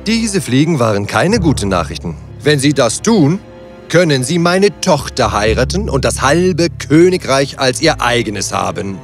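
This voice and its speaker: Guy as a bossy scheming king in a fairy tale, deliberate, lively pitch, bit of music. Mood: commanding. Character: commanding, scheming older king. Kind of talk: children's fairy tale voice acting. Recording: music behind the voice.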